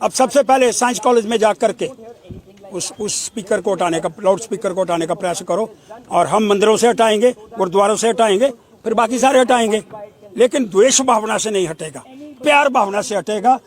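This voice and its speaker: A man delivering an impassioned protest address in a forceful, demanding, declamatory way. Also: sits high, a little fast. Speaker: protest speaker.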